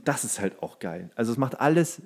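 A man's voice: mid-range voice, big pitch swings, a little fast, darkish tone. Rambling, enthusiastic man chatting casually. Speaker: podcast co-host. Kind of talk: casual comedic chat.

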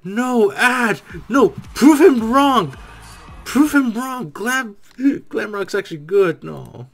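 A young man reacts casually and excitably to what he watches. His voice sits a little high and moves around a lot. He jokes and repeats lines back as he goes. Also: takes it slowly, creaky, faint music behind. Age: young adult. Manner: excitable, echoes lines he hears, joking. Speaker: reaction video creator. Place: small dark room indoors.

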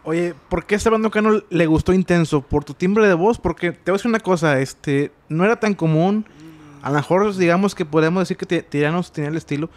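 A man hosting an interview, asking short casual questions and prompting with quick agreements. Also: sits high. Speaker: interview host.

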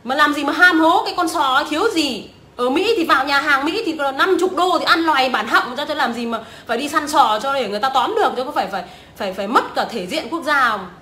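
Scornful, foul-mouthed young woman, bright voice. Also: high-pitched, lively intonation, fast. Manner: crude, scornful, swearing often. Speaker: vlogger. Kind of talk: profane ranting commentary. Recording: echoey room.

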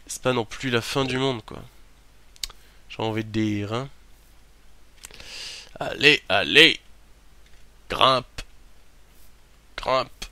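A man giving chatty gameplay commentary as a let's play host, talking to himself and bursting into startled shouts and curses. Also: lowish voice.

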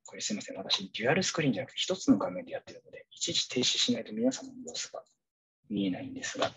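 A man's voice: high voice, huge pitch swings, very fast, creaky, a bit bright. A man teacher giving a casual, chatty online workshop, walking the audience through a demo with many fillers.

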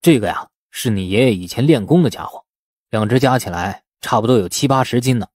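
A male narrator acts out a practical, easygoing villager from an audiobook novel. He has a husky, mellow voice. His talk is casual and coaxing, explaining things plainly. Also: mid-range voice, expressive, a little fast, no echo, clean studio sound, lightly acted.

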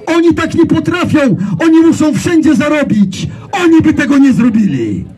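A man with a Polish accent giving a fiery, slow, emphatic speech to an outdoor gathering, shouting much of it. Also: very high-pitched, big pitch swings, poor audio. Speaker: rally speaker.

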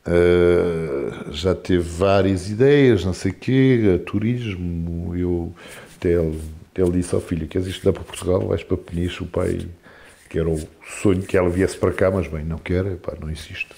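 A man in his forties, a guest in a casual interview, talking in a rambling, animated way with many restarts. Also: deep voice, moderate pace, vocal fry. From France. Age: 40s.

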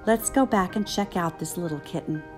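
Picture book grandmother, read by a woman: reassuring, instructive, gently encouraging, faint music underneath. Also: fairly low pitch, moderate pace, pitched below the performer's own voice, lightly acted. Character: kind, reassuring grandmother teaching her granddaughter.

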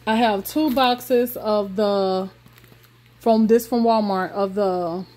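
A woman vlogger, walking through her groceries in a home kitchen and listing items slowly, with many ums and pauses. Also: medium pitch, darkish tone, a little hiss or hum. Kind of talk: casual grocery haul walkthrough.

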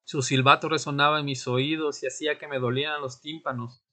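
A man playing a tormented young vampire, narrating an audio drama in the first person with solemn, deliberate, dramatic pauses. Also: fairly high pitch, flat delivery, pushed and bright. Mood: haunted, somber. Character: Fernando, tormented newly turned male vampire recounting his death. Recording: music bed under the voice.

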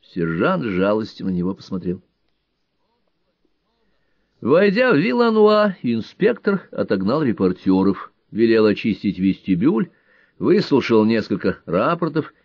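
A man reading a detective novel aloud in an even, measured storytelling manner. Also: lowish voice, no echo, lo-fi sound. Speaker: audiobook reader. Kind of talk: scripted narration.

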